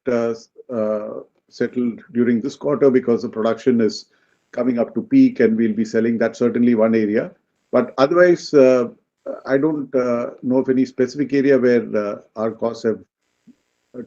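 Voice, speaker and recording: Male executive, mid-pitched and soft-toned, explaining business results haltingly on lo-fi call audio. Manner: halting, explanatory, checks with "right?". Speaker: company executive answering analysts. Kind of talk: unscripted business Q&A on an earnings call. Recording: dull, lo-fi conference call audio.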